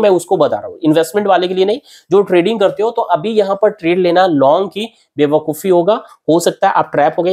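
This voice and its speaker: A man's voice: fairly high pitch, mellow. A man hosting a market analysis video, walking through price charts in a conversational way and repeating his points to drive them home. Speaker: crypto market analyst host. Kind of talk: chart walkthrough explanation.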